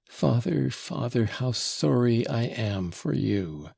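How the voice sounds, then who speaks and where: A man's voice: medium pitch, unhurried, creaky, warm tone, husky, no room sound, studio quality, full character voice. A man voicing a sick, tender little boy in an audiobook, pleading in an earnest, plaintive way. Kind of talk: audiobook character voice.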